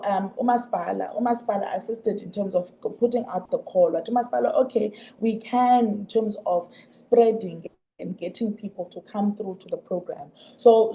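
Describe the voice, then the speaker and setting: A woman with a Xhosa South African accent explaining in a radio interview, haltingly and with repeated words. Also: mid-range voice, mellow, low-quality recording. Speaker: programme representative being interviewed. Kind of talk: radio interview, mixing two languages.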